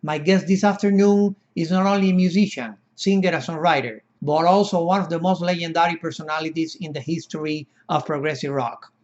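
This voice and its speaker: A man's voice: on the high side, fairly even intonation, a little fast, hardly any pauses, darkish tone, muffled recording. A man in his fifties, born in Cuba, hosting a podcast interview in an earnest, effusive and formally worded way. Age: 50s. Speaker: podcast host.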